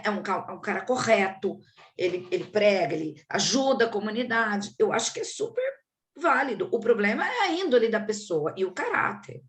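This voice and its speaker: A woman telling a story in a casual group discussion, acting out the quoted dialogue. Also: on the high side. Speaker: study group participant.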